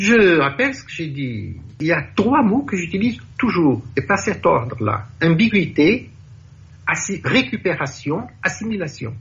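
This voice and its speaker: His voice pitched high, a man speaks at a fairly slow pace with very wide pitch swings and big shifts in loudness. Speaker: author and Marxist economic theorist. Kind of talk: long-form interview. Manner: halting, with frequent hesitations and repetitions.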